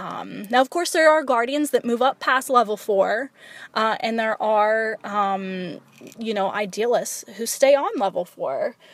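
On a very clean recording with a silent background, a woman speaks at a fairly slow pace. It's an ordinary speaking voice with a fairly high pitch and lively intonation. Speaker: podcast listener. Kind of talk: recorded voice message.

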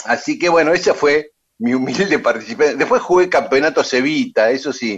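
A man at a fairly high pitch and fairly quick pace, with very wide pitch swings. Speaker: radio host. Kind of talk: casual chat. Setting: home studio.

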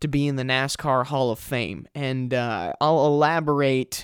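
In an ordinary speaking voice, a man talks at a fairly slow pace and medium pitch with fairly even intonation, the sound dry and close with no echo on a very clean recording with a silent background. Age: 20s. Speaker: podcast host. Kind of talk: interview and narration.

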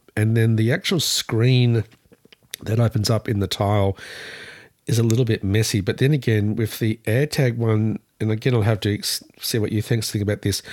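A man with an Australian accent, heard in a dry, close sound with no echo. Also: medium pitch for a man, fairly even intonation, moderate pace. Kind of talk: casual chat. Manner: halting, repeats words.

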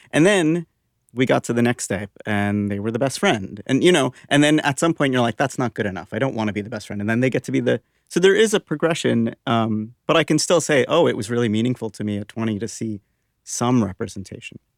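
With an American accent, a man talks at a fairly quick pace in an ordinary speaking voice, his medium pitch moving through lively intonation in a dry, close sound with no echo. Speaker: playwright. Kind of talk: panel discussion.

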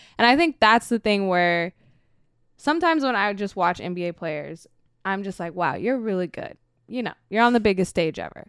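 A woman with an American accent and an ordinary speaking voice talks at a moderate pace and medium pitch with lively intonation, in a very clean recording with a silent background and a dry, close sound with no echo. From Sacramento, California. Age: 20s. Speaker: sports podcast co-host. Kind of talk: casual chat.

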